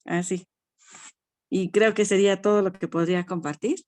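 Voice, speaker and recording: A woman's voice: medium pitch, fairly even intonation, normal speed, darkish tone, no echo, clean studio sound. An older woman with a Mexican accent, sharing a personal spiritual testimony in a frank, self-deprecating way and laughing often. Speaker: study group participant.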